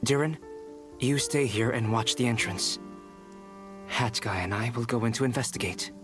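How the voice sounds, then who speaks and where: An actor playing a calm, analytical young male alchemist in a fantasy video game, speaking in measured, precise, formal phrases. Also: medium pitch, music in the background, lightly acted. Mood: composed, analytical.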